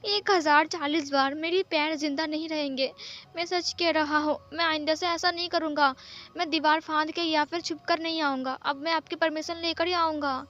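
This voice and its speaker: A woman voicing a hot-headed, childish young man who stammers in quick outbursts, in a storybook recap. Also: high voice, steady tone, fairly bright tone, lo-fi sound. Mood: pleading.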